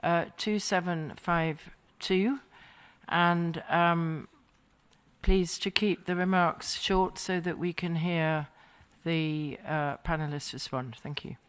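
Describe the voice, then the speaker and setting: A woman's voice: on the low side, steady tone, slow, smooth. A woman moderating a panel, politely but firmly managing speakers and time. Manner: polite, firm about time. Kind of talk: chairing a panel. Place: conference hall.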